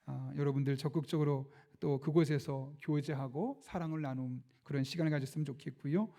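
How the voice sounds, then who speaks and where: A man's voice: a little high, fairly quick, dark tone. A middle-aged man, a pastor, giving church announcements, praying and preaching a sermon, acting out the lines he quotes. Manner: storytelling, acts out quoted speech.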